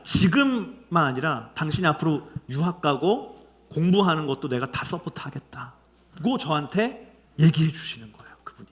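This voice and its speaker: A middle-aged male pastor preaching a sermon, telling a personal story with acted prayers and quotes, dropping at times to a near-whisper. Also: a little high. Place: church sanctuary.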